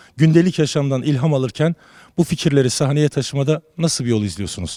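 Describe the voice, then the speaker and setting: Here a man speaks in a dark, mellow tone. His pace is fairly quick, with ordinary pitch variation. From Turkey, Şanlıurfa. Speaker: interviewer. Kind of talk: interview. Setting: backstage after a show.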